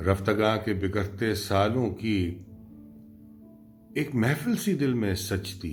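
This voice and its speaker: With music playing in the background, a man talks in a fairly low pitch with ordinary pitch variation. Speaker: voice-over artist. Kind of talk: poetry reading. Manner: poignant, measured.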